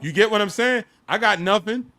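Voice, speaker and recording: Male host, bright high voice, animated and boastful casual storyteller. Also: normal speed.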